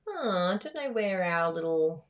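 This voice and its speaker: A woman with a croaky voice, hosting a live card-making class in a chatty, giggly, self-teasing way. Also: fairly low pitch, very animated, measured pace. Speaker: card-making instructor and livestream host. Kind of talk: live craft class chat.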